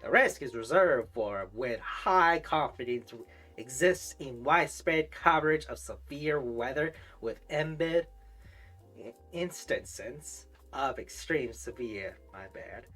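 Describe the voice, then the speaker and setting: A woman reading weather definitions aloud on a livestream, halting and correcting herself as she goes. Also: very deep voice, a bit bright, slightly rough. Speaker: streamer practicing reading.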